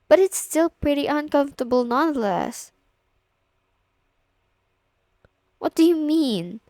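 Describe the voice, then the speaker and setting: Casting: actress as a friend's bossy older sister, young, teasing and coy, unhurried delivery, close dry sound for ASMR roleplay. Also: female voice, high voice, a little mellow, no room sound, heavily acted. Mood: surprised, teasing. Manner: casual, teasing, coy, lightly exasperated. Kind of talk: intimate ASMR audio roleplay.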